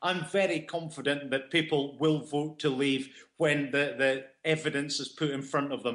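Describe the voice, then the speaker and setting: In a strong Scottish accent, this speaker keeps a fairly even intonation at a moderate pace. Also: man, fairly high pitch for a man. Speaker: trade union campaigner. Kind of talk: interview on political talk radio.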